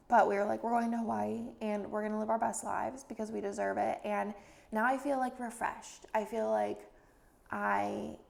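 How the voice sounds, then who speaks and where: Gravelly, flat-voiced young woman vlogger. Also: mid-range voice. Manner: chatty and rambling, many fillers. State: stuffy and congested. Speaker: planner vlogger. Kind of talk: casual voice-over chat.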